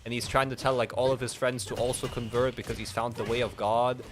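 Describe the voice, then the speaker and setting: A man's voice: mid-range voice, level tone, a little fast, noisy background. Rambling, profane young man streamer. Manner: rambling, profane, heavy use of "like". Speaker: game streamer. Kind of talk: casual storytelling while playing.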